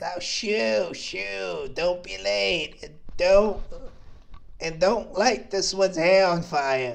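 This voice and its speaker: Using a put-on character voice, a man with a high pitch talks at a very slow pace. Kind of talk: comic overacting. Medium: actual play. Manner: gushing, playful.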